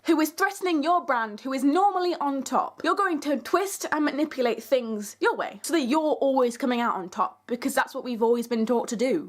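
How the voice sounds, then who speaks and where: A young woman speaking as a YouTuber in an earnest, emphatic, conversational video essay addressed to her viewers. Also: high-pitched. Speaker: YouTuber, creator and host. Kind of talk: video essay to camera, semi-scripted.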